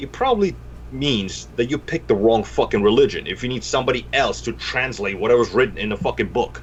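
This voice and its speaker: Over noticeable background noise, a man with a slight Russian accent talks at a very fast pace. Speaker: guest. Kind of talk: casual chat.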